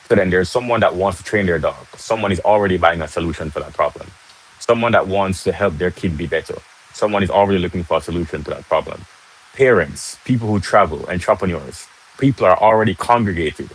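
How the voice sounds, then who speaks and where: Chatty and casual, a young Jamaican livestream host teaches his viewers from a home setting in Jamaica, greeting them mid-talk and often adding "right?". He has a Jamaican accent and a low, husky voice. The audio comes across as a rough recording.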